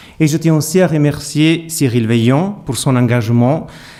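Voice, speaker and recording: A man with an Italian accent, fairly high pitch and a dark, mellow tone, at a moderate pace with ordinary pitch variation. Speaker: archive curator. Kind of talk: formal introductory talk. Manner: formal.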